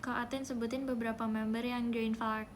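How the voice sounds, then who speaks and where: A young woman streaming live, chatting playfully in a soft voice, humming bits of songs and thanking viewers by name. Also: on the high side, level tone, brisk, a little hiss or hum. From Indonesia. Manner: playful, soft-spoken, sings snippets and reads out gifter names. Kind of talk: casual livestream chat.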